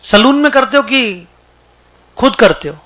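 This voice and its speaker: A man voicing a confident Bengali passer-by who questions briskly and hands out clever advice in a told joke. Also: very high-pitched, animated, bright, forceful tone, exaggerated voice. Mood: advising. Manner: brisk, questioning, know-it-all.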